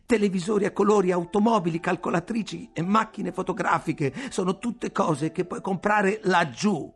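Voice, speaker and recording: A man reading aloud voices a bitter, fierce old grandmother who hurls shrill, accusing outbursts. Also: moderate pace, natural voice. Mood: furious.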